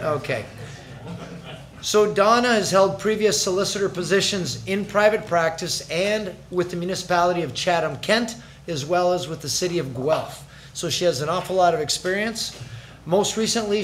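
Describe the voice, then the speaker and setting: A middle-aged man chairing a council meeting as mayor, brisk and chatty with joking asides, speaking into a desk microphone in a large chamber. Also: high-pitched, a bit bright, slight background noise. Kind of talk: formal council meeting announcements.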